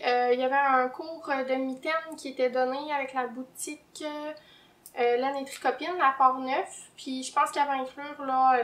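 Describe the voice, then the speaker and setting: A woman's voice: sits high, fairly bright tone. A woman with a Québécois French accent hosting a knitting podcast in casual chat, chatty and easily sidetracked, often laughing. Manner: chatty, laughs easily, loses her train of thought. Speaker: knitting podcast host and pattern designer.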